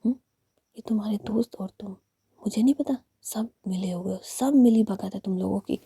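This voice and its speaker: A woman whispering the part of an angry, jealous young woman who scolds her girlfriend, in a husky voice. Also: medium pitch, moderate pace, dark tone, dry recording, studio quality. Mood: scolding.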